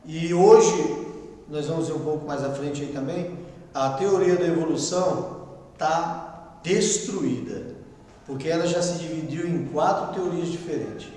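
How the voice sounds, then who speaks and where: A Brazilian man teaching a Bible class as pastor, reading a text and explaining it in a conversational way with quiet asides. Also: on the high side, unhurried. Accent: Brazilian Portuguese. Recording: echoey room with long reverb.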